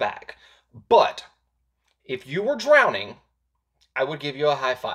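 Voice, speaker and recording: Against a quiet background, a man with a Louisiana accent speaks with very wide pitch swings. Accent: Louisiana Southern US. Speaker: jon boat builder and video creator; video creator. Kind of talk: casual video narration. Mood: joking, playful roasting. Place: home room.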